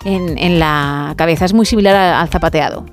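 A woman hosting a late-night call-in radio show, chatty and quick to laugh. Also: on the low side, faint music behind. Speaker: radio host.

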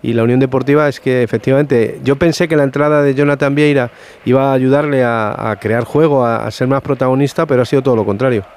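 Smooth clear guy doing match analysis, medium pitch, repeats himself searching for words. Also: fairly even intonation, quick pace, a little mellow. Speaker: football commentator.

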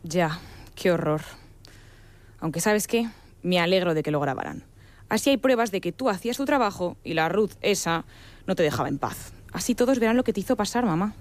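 An actress playing a supportive young daughter in an audio drama, speaking naturally with a Castilian Spanish accent. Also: female voice, fairly low pitch, expressive, fairly quick, long pauses, close to an everyday voice. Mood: indignant, supportive.

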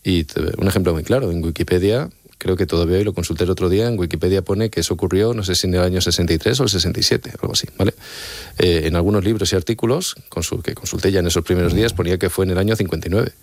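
A man's voice: low-pitched, rapid-fire, a little mellow, dry recording. A man from Extremadura, an author being interviewed, explaining his research earnestly and often checking in with his listener. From Extremadura, Spain. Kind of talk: radio-style interview answers.

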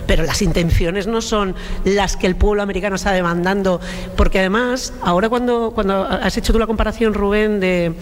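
A woman explaining her view thoughtfully, with filler pauses, as a panelist in a roundtable debate. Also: mid-range voice, fairly even intonation, long reverb tail.

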